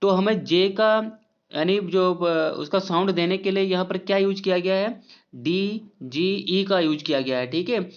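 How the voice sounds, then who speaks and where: A man explains spelling rules in a high, smooth voice. He spells out letters slowly and keeps checking in with his viewers. The recording sounds dull and lo-fi. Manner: repeats "ठीक है" often, slow spelled-out letters. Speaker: English spelling teacher.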